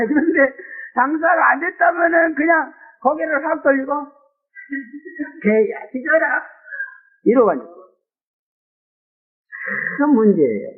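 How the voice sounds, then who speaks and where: A man's voice: extremely high pitch, vocal fry. A man preaching a sermon in Korean, emotive and exclaiming, with frequent rhetorical asides to the congregation. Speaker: pastor. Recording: tinny phone-like lo-fi recording.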